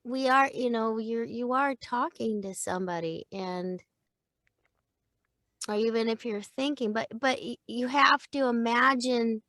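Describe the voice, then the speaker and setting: A middle-aged woman, a voice-over teacher, chatting in an interview in an animated way, laughing often and acting out example lines. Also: a little high, measured pace, no echo, studio quality. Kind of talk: casual interview chat.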